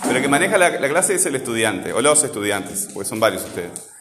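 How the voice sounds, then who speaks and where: A man's voice: medium pitch, big pitch swings, brisk, a bit bright, a little hiss or hum. A man teaching a classroom lesson, asking the class patient questions and checking in with "¿tá?", wearing a face mask. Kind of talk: classroom lesson on word stress. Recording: echoey classroom with long reverb.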